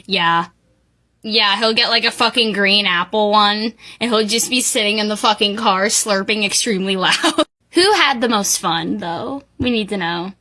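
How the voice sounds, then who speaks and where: A woman's voice: mid-range voice, moderate pace, pushed and bright. A woman giving casual reaction commentary in an informal, exclamatory way with plenty of swearing.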